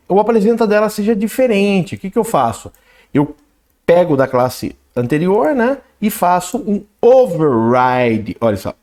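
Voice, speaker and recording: A man walks through code in a casual tutorial voice. His voice sits slightly high and swings up and down a lot as he explains. He talks while typing and checks in with quick "né?" and "ok?" asides. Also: darkish tone. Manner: talks while typing code, reads output aloud, frequent "né?" and "ok?". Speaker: programming instructor. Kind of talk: screen-recorded coding tutorial.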